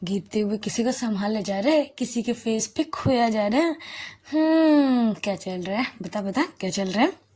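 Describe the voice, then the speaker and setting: A woman narrator puts on a lovestruck young student girl who teases her friend and turns sulky when jealous. The voice is fairly high and stays close to the storyteller's own. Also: normal speed, a little mellow, natural voice. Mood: teasing.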